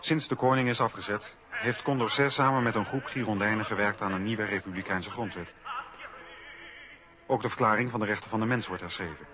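A man narrating a scripted historical radio documentary in a measured, factual way. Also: lowish voice, muffled recording, music in the background.

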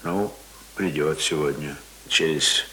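A man's voice: a bass voice, slow, pushed and bright, exaggerated voice, rough recording. A man acting a talkative, coaxing village brother in a naturalistic radio play, speaking colloquially and hesitantly. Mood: coaxing, explaining. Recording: hissy old radio recording.

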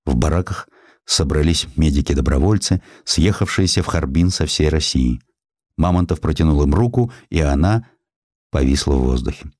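A man giving a dramatic scripted audiobook narration, measured and grave, with deliberate pauses. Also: a bass voice, lively intonation, a little mellow, dry recording, studio quality.

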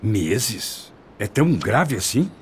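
An aging, penitent Brazilian husband in a radio soap opera. His voice is very low and husky, and he pleads with solemn, melodramatic earnestness, rising and falling expressively. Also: sing-song, slow pace, heavily acted. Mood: concerned, humble. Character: repentant, earnest aging husband, newly pious.

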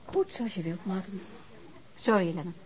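A woman's voice: fairly low pitch, moderate pace, a little mellow, natural voice. An actress playing an outspoken, caring woman in a radio drama, speaking frankly and directly. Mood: conceding. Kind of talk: naturalistic radio drama acting.

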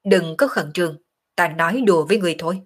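A woman reading the lines of a mocking male swordsman in white robes from a martial arts story, in a brisk, offhand way. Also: fairly low pitch, natural voice. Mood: teasing.

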